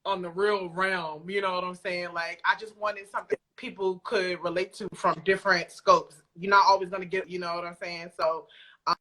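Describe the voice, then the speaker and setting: A woman speaking as an interview guest on a remote call, informal and reflective, often halting as she works out her answers. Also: lowish voice, level tone, sharp tone, low-quality recording. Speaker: guest, audio drama creator. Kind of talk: casual interview chat. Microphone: remote video call.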